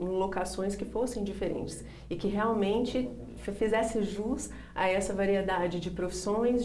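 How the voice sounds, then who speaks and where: A woman in her thirties from Brazil, a project coordinator interviewed in a TV studio, speaking haltingly, repeating words and listing items. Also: medium pitch, warm tone, echoey room, slight background noise. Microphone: lapel mic.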